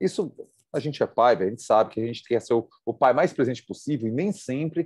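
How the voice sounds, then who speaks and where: A man at a fairly quick pace, lively in intonation, the sound dry with no echo. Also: quiet background. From Brazil. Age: 40s. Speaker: political commentator. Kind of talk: casual chat. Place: home room. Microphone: studio mic.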